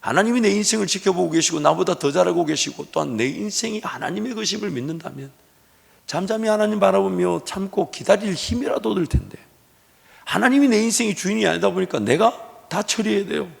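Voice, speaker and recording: A male pastor preaching a sermon, moving between hushed, whispered prayer and loud, animated storytelling. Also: high voice, a little fast, vocal fry. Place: church sanctuary. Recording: echoey church hall.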